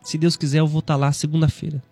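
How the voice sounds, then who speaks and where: A man in his thirties with a Brazilian Portuguese accent, hosting a devotional radio talk in a conversational, gently preaching way, often tagging lines with "né". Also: a little high, level tone, quick pace, dry recording, soft background music. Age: 30s.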